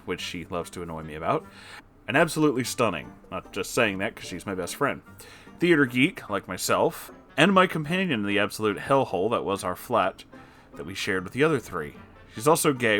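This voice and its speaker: Low-voiced man reading a story aloud. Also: a bit bright. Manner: breaks off with disgusted reactions. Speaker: story reader. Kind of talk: reading an online post aloud with comments.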